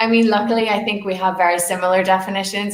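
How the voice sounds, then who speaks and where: A woman with an Irish accent is heard amid noticeable background noise and audible room echo. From Ireland. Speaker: tech company retail lead. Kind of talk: panel discussion.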